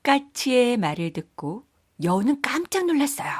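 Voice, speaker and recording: A woman's voice: sits high, sing-song, moderate pace, husky, no room sound, clean studio sound. A woman storyteller narrating scripted children's folktales.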